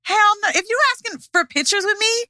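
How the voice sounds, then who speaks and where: A woman's voice: very high-pitched, fairly quick, bright, forceful tone, no room sound, clean studio sound. A young woman chatting casually as a podcast guest, blunt and slangy with plenty of swearing. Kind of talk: casual chat.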